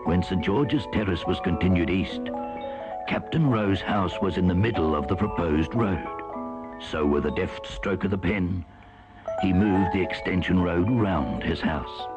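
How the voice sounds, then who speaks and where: A man reading scripted history as a radio announcer, in a measured storytelling manner, on a 1970s aircheck. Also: sits low, lo-fi sound. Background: mallet music.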